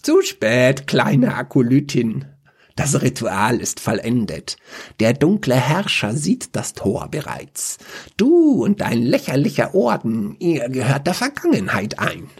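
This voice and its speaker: A man voicing a gaunt, pale, centuries-old male black mage with a husky voice who talks in a chatty, mocking way. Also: mid-range voice, wildly swooping pitch, measured pace, voice pushed up, heavily acted. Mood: gloating.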